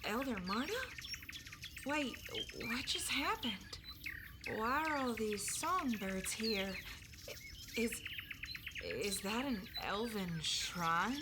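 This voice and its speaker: High-voiced, anxious young huntress. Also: female voice, expressive, slow, pauses often, heavy background noise. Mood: confused, alarmed. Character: anxious young village huntress, devoted sister. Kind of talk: audio drama acting. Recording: outdoor ambience with birdsong.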